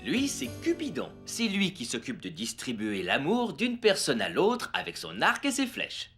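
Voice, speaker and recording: An actor playing a gentle, patient father of small children in a cartoon, explaining things simply. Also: medium pitch, wildly swooping pitch, moderate pace, faint music behind. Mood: cheerful.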